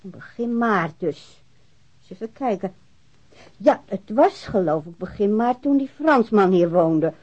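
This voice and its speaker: A woman's voice: medium pitch, lively intonation, unhurried, darkish tone. A woman playing a chatty, vague landlady in a radio drama, hesitantly trying to remember and help. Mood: musing, helpful. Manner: hesitant, musing. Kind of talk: Dutch radio drama acting. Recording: dull, lo-fi radio drama recording.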